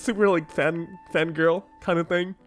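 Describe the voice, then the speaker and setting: A man's voice: fairly high pitch, moderate pace, faint music behind. A young man chatting casually with viewers on a game livestream, laughing often and filling his talk with "like". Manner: animated, laughs often, heavy use of "like". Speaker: game streamer.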